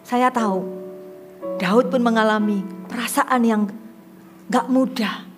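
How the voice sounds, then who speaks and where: A woman's voice: a little high, slow pace, over music. A middle-aged woman pastor preaching a sermon, telling stories and acting out the voices of the people in them. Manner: lively storyteller acting out quoted dialogue. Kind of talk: sermon with storytelling.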